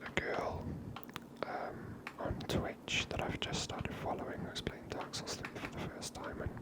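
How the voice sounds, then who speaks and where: A woman whispering breathily close to the mic as she hosts an ASMR game playthrough, soft and musing. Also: a little slow. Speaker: gaming host.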